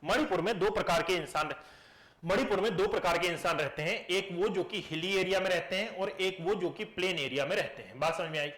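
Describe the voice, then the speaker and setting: A man teaching a live class, keeping it lively and putting questions to his students. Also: high-pitched, fairly quick. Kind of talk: classroom lecture. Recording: echoey classroom.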